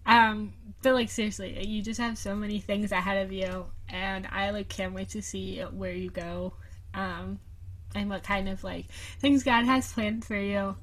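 Bubbly and giggling often, a young podcast host chats casually in a medium-pitched, slightly bright voice with a steady tone, speaking a little slowly. Her talk is full of fillers, recorded through a video call.

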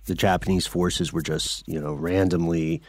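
A man's voice: low voice, big pitch swings, moderate pace, gravelly, breathy edge. A man hosting a podcast, moving between conversational explaining and ad reads. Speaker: podcast host.

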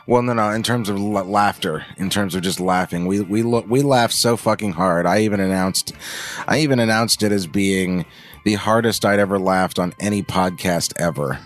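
A man's voice: sits low, moderate pace, faint music behind. A man co-hosting a podcast in casual, rambling chat, swearing freely and poking fun at himself. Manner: rambling, profane, self-mocking. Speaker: podcast co-host.

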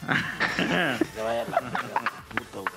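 Mexican man, gravelly voice, drunk and worn out, blunt crude answers, music behind. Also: medium pitch, expressive, takes it slowly. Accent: Mexican Spanish. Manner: blunt, dismissive replies. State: drunk and tired. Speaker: podcast guest. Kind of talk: crude comedic banter.

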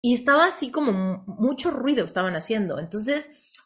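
A woman with a Mexican accent hosting a motivational coaching talk, telling stories in an animated way and often ending lines with a questioning tag. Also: fairly high pitch, normal speed. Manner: animated storyteller, tags lines with "¿no?". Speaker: host.

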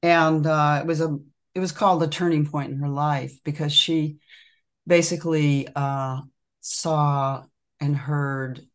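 A woman guest on a podcast, telling a story in a thoughtful, measured way. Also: sits low, steady tone. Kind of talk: casual conversation.

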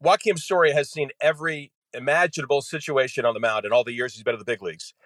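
A man's voice: mid-range voice, fast, fairly bright tone, dry recording. A man with a mid-range voice recounting a baseball game in rich, conversational detail. He sprinkles his storytelling with "you know" as he goes. The sound is dry and close. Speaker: radio play-by-play announcer, guest.

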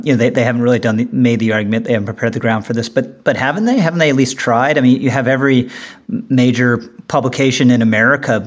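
A man hosting a political podcast, talking in a halting way with many restarts. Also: medium pitch. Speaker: podcast host. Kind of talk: political discussion.

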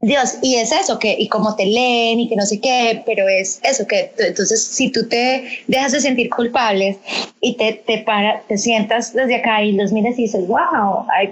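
A woman's voice: on the high side, steady tone, moderate pace, a little hiss or hum. A woman, telling stories animatedly in casual chat and switching between Spanish and English. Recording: dull lo-fi sound.

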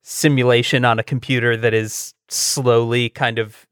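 A man co-hosting a casual comedy chat with wry, deadpan musings. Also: mid-range voice, normal speed, clean tone, no room sound, studio quality. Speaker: podcast co-host.

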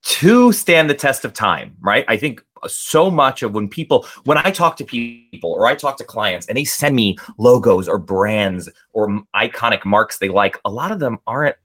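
A man's voice: medium pitch, expressive, normal speed, hardly any pauses, fairly bright tone. A man talking as a guest in an interview about building a brand, explaining earnestly at length. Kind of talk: casual interview answers.

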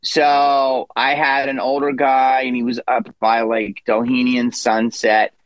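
A man's voice: medium pitch, completely flat delivery, a little slow, no echo, rough recording. Rambling storyteller, man in his fifties. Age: 50s. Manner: rambling with self-deprecating asides and laughs. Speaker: guest comedian. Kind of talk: casual interview storytelling.

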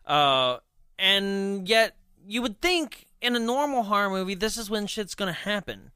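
A man's voice: high voice, animated, measured pace, pushed and bright, clear, resonant tone, no echo, studio quality. A man chatting casually about a movie, laughing often and trailing off mid-thought.

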